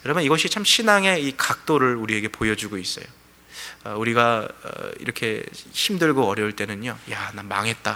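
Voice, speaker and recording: A man preaching from a church pulpit in a bright, forceful voice. He tells the story in lively sermon style, often pausing on fillers. His voice rings with the long reverb of the sanctuary. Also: medium pitch. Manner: storytelling preaching with frequent fillers and shifting emphasis. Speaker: pastor.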